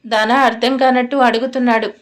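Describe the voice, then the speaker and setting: A woman's voice: fairly high pitch, level tone, fairly quick. A woman narrating a romantic drama audiobook, reading every character in much the same voice.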